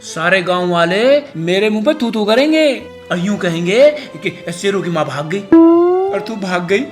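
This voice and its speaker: Deaf lazy Haryanvi son. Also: male voice, high-pitched, animated, normal speed, music in the background. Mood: indignant. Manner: mishears words, grumbling, indignant. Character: deaf lazy grown son, mishears and grumbles.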